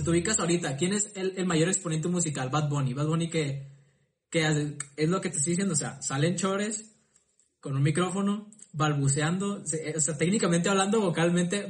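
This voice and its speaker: A man in a relaxed podcast conversation, his voice sitting somewhat high for a man. He talks thoughtfully, stopping and restarting his sentences as he builds a point. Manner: thoughtful, hesitant, many restarts and repeated words. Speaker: podcast participant. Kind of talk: casual podcast chat.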